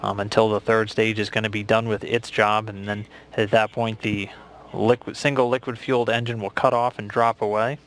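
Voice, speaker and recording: An American man giving measured, matter-of-fact live commentary from mission control. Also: fairly low pitch, level tone, a bit bright.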